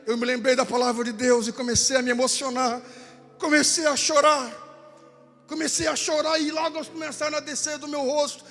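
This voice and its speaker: High-voiced fervent Brazilian preacher. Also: male voice, fairly even intonation, brisk. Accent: Brazilian Portuguese. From southern Brazil. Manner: fervent, repetitive, rises to shouting. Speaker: pastor. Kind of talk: Pentecostal sermon. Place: church sanctuary. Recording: church hall with long reverb, faint music.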